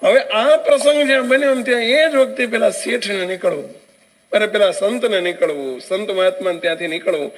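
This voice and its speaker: A male preacher spins a devotional story in an animated way. His voice sits high and he keeps turning to the audience with questions. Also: fairly quick, poor audio.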